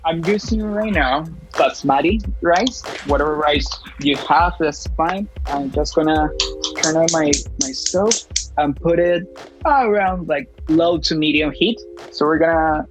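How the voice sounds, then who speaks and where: A man, a chef talking and teaching in a relaxed, friendly way with frequent restarts. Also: on the high side, a little slow, over music. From Peru. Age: 20s. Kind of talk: casual interview and cooking instruction. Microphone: video call. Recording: dull, dry video-call audio.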